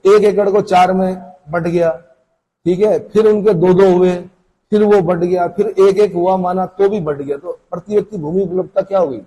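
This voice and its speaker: In a rough recording, a man with a high-pitched, dark-toned voice leads an exam-prep class at normal speed and in a steady tone. He lectures in a casual, conversational way, raising questions only to answer them himself.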